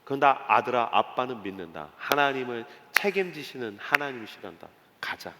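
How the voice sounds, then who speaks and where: A man putting on aging father Abraham, dropping low and soft as he confides in his son. Slow, solemn and earnest, with a long reverb in the hall. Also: lively intonation, noisy background, natural voice. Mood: tender.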